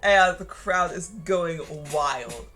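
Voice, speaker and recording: Low-voiced woman running a tabletop game. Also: lively intonation, slow, fairly bright tone, soft background music. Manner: casual, laughing often, many fillers. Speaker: game master.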